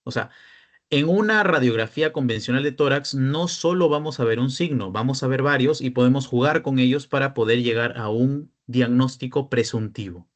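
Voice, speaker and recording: A man's voice: medium pitch, fairly quick. A young man with a Peruvian Spanish accent, a peer tutor giving an online class lecture, explaining step by step and often checking in with the students.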